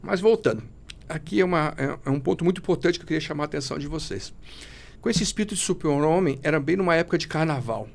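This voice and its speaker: A man's voice: on the high side, expressive, fast, creaky. A man giving an emotional personal testimony as a podcast guest, speaking fervently and in a preachy way, often calling the listener brother.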